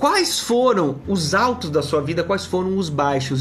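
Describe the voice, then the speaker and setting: Here a man talks at a fairly slow pace in a high pitch. His pitch swings very widely. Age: 40s. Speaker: emotional intelligence coach. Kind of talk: live stream talk.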